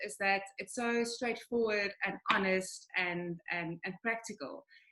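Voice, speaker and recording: Here a woman has a normal speaking voice, with medium pitch and ordinary pitch variation. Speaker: dietitian, interviewer. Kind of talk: interview questions.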